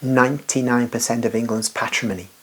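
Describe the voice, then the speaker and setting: A man's voice: medium pitch, fairly even intonation, a little fast, a bit bright, breathy edge. A man giving an unscripted, rambling religious monologue as a Catholic commentator, emphatic and full of asides and restarts.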